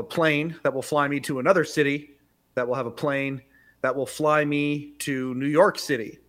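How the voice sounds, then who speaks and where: At a moderate pace, a man with a Canadian accent and a plain, everyday voice speaks with a fairly high pitch and fairly even intonation. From Canada. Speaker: remote contributor and friend of the show. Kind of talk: casual chat. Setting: remote video link.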